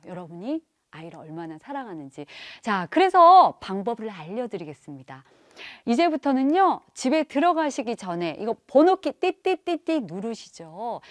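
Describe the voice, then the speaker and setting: A woman giving a televised parenting lecture. She asks the audience rhetorical questions and acts out parents' and children's lines in quick voices. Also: mid-range voice, no room sound, clean studio sound.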